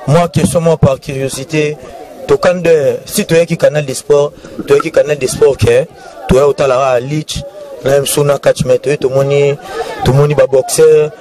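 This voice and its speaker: A man asking halting questions at a sports club gathering. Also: fairly high pitch, level tone, dark tone. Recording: noisy crowd around.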